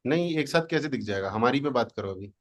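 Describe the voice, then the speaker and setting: A man leading an online class as a digital marketing coach, boastful and teasing, who slips English words into his Hindi. He speaks at an ordinary middle pitch. His voice comes through a computer mic on a video call. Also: animated, quick pace. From India. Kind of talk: live online class demo.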